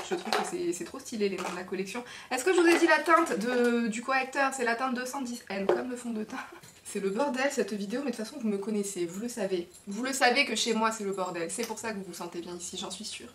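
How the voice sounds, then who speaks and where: A woman's voice: fairly high pitch, fairly bright tone, roomy sound, recorded from a distance, slight background noise. A woman vlogger chatting casually through a makeup haul, laughing and teasing herself. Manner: chatty, self-mocking, laughs often. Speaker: beauty vlogger.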